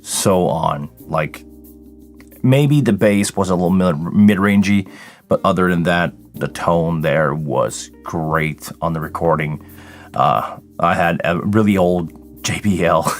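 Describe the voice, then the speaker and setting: A man hosts a relaxed livestream, greeting viewers by name in a very low, tired voice. He sounds worn out but friendly as he chats at his desk. Soft music plays faintly behind him. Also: creaky. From Quebec, Canada. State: tired, voice deeper than usual this morning. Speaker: live sound engineer hosting a livestream. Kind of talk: casual livestream Q&A chat.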